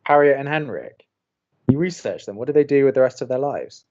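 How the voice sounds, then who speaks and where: A man's voice: medium pitch, lively intonation, fairly quick, a little mellow, lightly acted. Man acting sarcastic college radio guy, dry and teasing but voice moves around a lot, bit lo-fi. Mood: curious, supportive. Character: wry, sceptical young male college radio co-host Drew. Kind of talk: audio drama romantic comedy dialogue.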